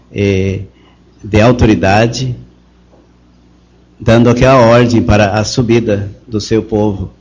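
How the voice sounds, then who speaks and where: A man with a Brazilian Portuguese accent leading a group Bible study, answering questions in a slow, measured way. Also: fairly low pitch, darkish tone, poor audio.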